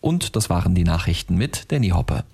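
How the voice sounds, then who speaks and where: A man reading a radio news bulletin in a steady, formal way. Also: low-pitched, fairly quick, gravelly, breathy edge. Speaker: newsreader.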